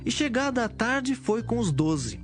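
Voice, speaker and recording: A man narrating dramatised scripture from a script, with measured storytelling phrasing. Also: extremely high pitch, big pitch swings, faint music behind.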